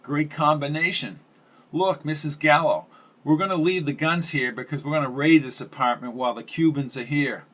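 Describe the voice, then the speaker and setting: A man's voice: on the high side, normal speed, a bit bright, far from the mic. A man voicing a tough male private investigator who talks dry and clipped.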